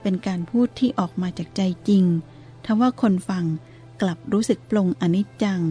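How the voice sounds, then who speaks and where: Casting: woman storyteller, mellow husky voice, faint music behind. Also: medium pitch. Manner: calm, measured reading. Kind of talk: storytelling narration.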